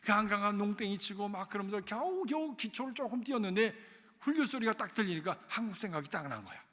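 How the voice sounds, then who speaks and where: A man pastor telling a story in a sermon, with emotive swings in loudness. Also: high voice, expressive, fast talker, long reverb tail. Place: church sanctuary.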